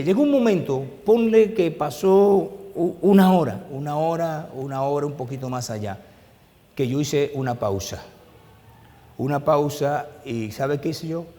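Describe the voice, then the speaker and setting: A male pastor preaching a sermon, telling a story in a hushed voice and then rising to loud, emphatic preaching. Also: fairly high pitch, long reverb tail. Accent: Latin American Spanish. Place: church hall.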